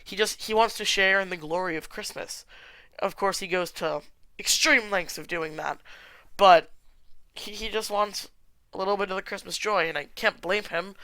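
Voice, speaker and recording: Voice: medium pitch, normal speed, pushed and bright, clean tone, no echo. A podcast host with a stuffy nose and sore throat, chatting casually and giving opinions in a solo film review. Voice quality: congested.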